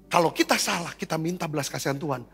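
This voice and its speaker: A man's voice: on the high side, quick pace, gravelly, fairly bright tone, breathy edge, big-room sound, faint music behind. A male pastor preaching a sermon in a conversational, exhorting way, often calling for an amen and asking rhetorical questions. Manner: exhorting, repeatedly asks for amens.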